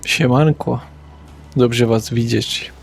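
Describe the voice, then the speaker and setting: A man's voice: medium pitch, steady tone, slow pace, vocal fry, soft background music. A man speaking in character in a tabletop roleplaying game, casual and rambling. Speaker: player.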